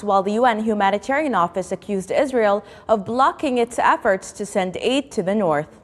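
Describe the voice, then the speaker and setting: A woman's voice: medium pitch, in a large hall. A woman news presenter reading a formal, scripted news bulletin.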